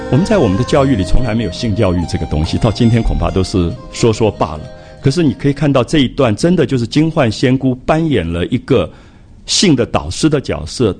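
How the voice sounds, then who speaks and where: A man's voice: fairly low pitch, a little mellow, breathy edge. An older man lecturing an audience on a classic novel, speaking in a reflective, conversational way with frequent "ah" fillers and repeated phrases. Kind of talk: public lecture to a live audience.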